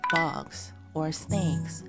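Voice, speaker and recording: A woman whose first language is Korean explains phrases calmly and methodically, one word at a time, as a language teacher. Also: low-pitched, very slow, loud music behind the voice.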